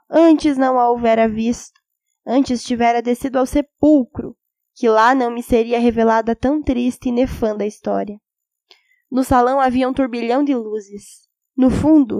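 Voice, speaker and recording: Female narrator for classic fiction audiobook: slightly high pitch, grave dramatic storytelling, very dry recording. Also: a little mellow, no echo.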